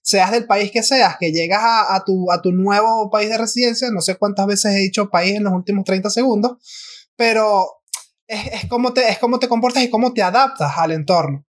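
A man's voice: sits high, brisk. A young man, co-hosting a casual podcast chat, often restarting his sentences. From Venezuela. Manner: restarts, mimics Spanish and Argentine slang for laughs. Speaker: podcast co-host.

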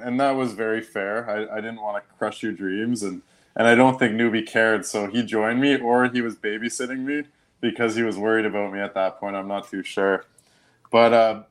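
A man appearing as a guest on a podcast, chatting casually in a relaxed, amused way. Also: mid-range voice. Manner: relaxed, amused, laughs often. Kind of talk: casual chat.

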